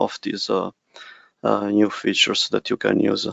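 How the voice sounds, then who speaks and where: Speaking at a fairly slow pace, a man talks with an Italian accent. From northern Italy. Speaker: software technical specialist. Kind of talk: webinar presentation. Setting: online webinar. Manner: halting, many fillers.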